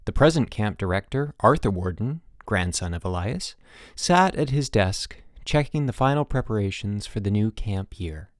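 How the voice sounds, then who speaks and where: A man narrating a story as an audiobook reader, in a measured read-aloud delivery. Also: on the low side, animated, dry recording, studio quality.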